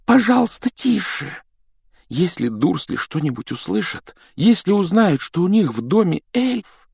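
Male reader as an earnest, anxious teenage wizard boy; hushed, lively delivery. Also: high voice, a little slow, gravelly, husky, no room sound, clean studio sound, voice pushed up, exaggerated voice. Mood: urgent hushing. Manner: hushed, urgent, apologetic. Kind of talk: audiobook character voice.

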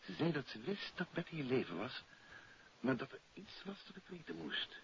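A muffled vintage radio recording carries a suave male detective with a Netherlands Dutch accent. His mid-pitched voice moves in lively swings, staying polite, composed and assured in the manner of 1950s radio drama. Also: moderate pace, slight background noise. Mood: confiding, pensive.

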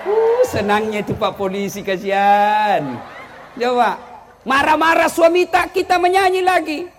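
High-voiced joking male preacher. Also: moderate pace, a faint crowd, a little hiss or hum. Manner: animated, joking, swings between low asides and high exclamations. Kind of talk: humorous sermon to an audience.

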